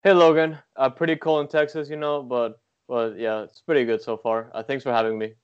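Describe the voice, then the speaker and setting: A man's voice: medium pitch, steady tone, fairly quick, clear, resonant tone, lo-fi sound. A young man from Venezuela, a guest on a soccer podcast, speaking easily with lots of "like" and "uh". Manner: easygoing, many "like" and "uh" fillers. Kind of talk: casual interview.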